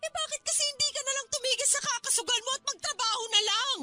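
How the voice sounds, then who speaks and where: A woman's voice: very high voice, fast. A woman playing a gambler's fed-up, anguished girlfriend in an emotional radio drama, exasperated and pleading. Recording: dramatic music bed behind the voice.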